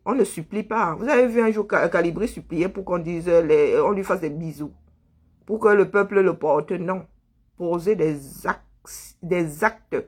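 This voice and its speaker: A woman's voice: on the low side, breathy edge. A woman from Cameroon, delivering a combative political monologue as a diaspora activist, mocking and taunting her listeners with rhetorical asides.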